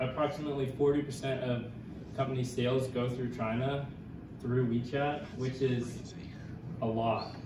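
A man at a fairly slow pace with long, frequent pauses, amid noticeable background noise and audible room echo. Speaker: student presenter. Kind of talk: class presentation. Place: classroom.

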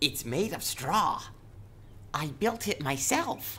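A man puts on a cartoonish character voice at a high pitch. He speaks very slowly over clear background noise. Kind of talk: children's puppet story.

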